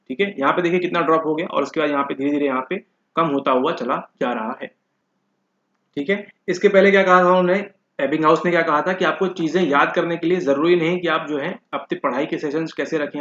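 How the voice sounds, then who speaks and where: A man's voice: a little high, fairly bright tone. Man teaching, echoey lo-fi room. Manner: repeats questions to the class and answers them himself. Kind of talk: exam-prep lecture. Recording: echoey room, dull lo-fi sound.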